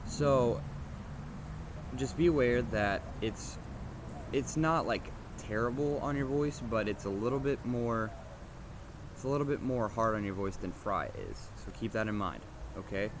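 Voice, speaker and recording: A man's voice: mid-range voice, measured pace. A man giving a casual, loosely explained how-to lesson as a vocal instructor, in an informal, repetitive way. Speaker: vocal screaming tutorial instructor. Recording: noisy homemade recording, steady background noise.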